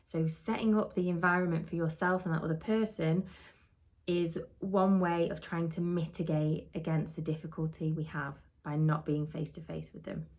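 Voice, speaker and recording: A middle-aged woman, giving an earnest, steady training talk on social work and asking many rhetorical questions. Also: low voice, moderate pace. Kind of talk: podcast teaching talk.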